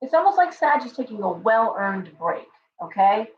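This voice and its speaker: A woman hosting a casual tarot livestream, chatty and hoarse, thanking viewers by name as she reads the cards. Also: mid-range voice, very animated, moderate pace, far from the mic, a little hiss or hum. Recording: dull, roomy livestream audio from off-mic.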